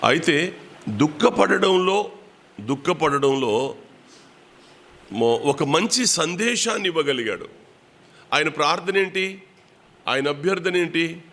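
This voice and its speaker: Male preacher, raised voice, repeats lines, fills pauses while he thinks. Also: a little high, animated, fairly bright tone. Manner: repeats phrases, pauses with drawn-out fillers. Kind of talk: Bible sermon. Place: prayer hall.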